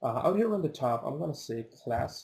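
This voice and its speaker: A man at a fairly slow pace, with vocal fry and very wide pitch swings. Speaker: web development tutorial maker. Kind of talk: coding tutorial.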